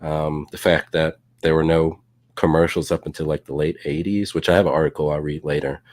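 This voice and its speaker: Very deep-voiced man co-host. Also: brisk, no room sound, clean studio sound. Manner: relaxed, many fillers, jokey. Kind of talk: casual live-stream discussion.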